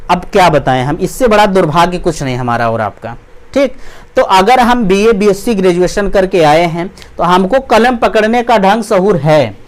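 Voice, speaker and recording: A young man with a high voice teaches an online exam-prep lecture in a teaching room with a marker board. He asks rhetorical questions, repeats his points and reads list items out slowly.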